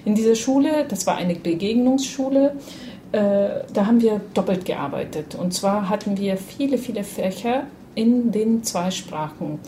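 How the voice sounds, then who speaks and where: A woman from Uruguay telling her own story off the cuff, hesitant, with many pauses and filler sounds. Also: medium pitch, expressive, warm tone, a little hiss or hum. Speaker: interviewee. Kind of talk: unscripted personal account.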